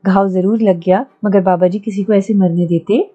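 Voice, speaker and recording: A woman's voice: mid-range voice, fairly even intonation, moderate pace, mellow, dull audio, lightly acted. A woman voicing a rustic elderly village uncle, blunt-spoken but kindly, fussing and scolding in a folksy way. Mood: earnest.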